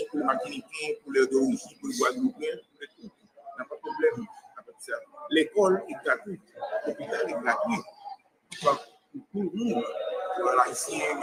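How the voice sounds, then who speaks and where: A man from Cuba, answering interview questions in a halting way, often repeating his words. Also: fairly high pitch, creaky, very noisy. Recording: crowd chatter behind.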